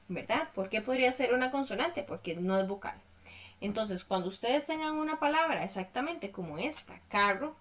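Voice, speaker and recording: A woman's voice: a little high, a bit bright. A woman teaching an online English lesson, explaining patiently step by step and checking in often with her students.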